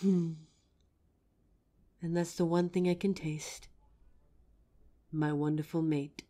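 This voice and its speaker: A gentle young werewolf girlfriend, played by a woman, talking low and unhurried in a soft, breathy audio-drama voice. Her tone is mellow and dark, and she sounds tender with her partner. She lingers over each word. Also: fairly even intonation. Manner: tender, slow, grounding exercise. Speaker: voice actor. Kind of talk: F4A audio roleplay.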